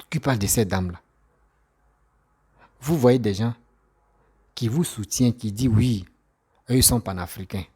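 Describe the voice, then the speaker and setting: Impassioned man, low husky voice. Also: darkish tone. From Côte d'Ivoire. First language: an African language, not French. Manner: emphatic, repetitive, rhetorical questions. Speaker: commentator responding to critics. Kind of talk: impassioned political monologue.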